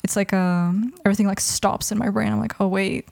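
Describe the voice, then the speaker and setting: A woman's voice: medium pitch, fairly even intonation, fairly quick, gravelly, a little mellow, no room sound, studio quality. A woman of twenty, raised in Mexico with Russian as her first language, talking thoughtfully in a casual interview with many restarts. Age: 20s. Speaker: guest.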